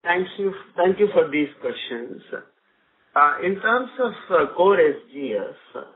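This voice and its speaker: A man with an Indian accent giving measured, formal answers as a company executive on an earnings call. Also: a little high, lively intonation. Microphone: conference phone call. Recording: narrow phone line with clear noise.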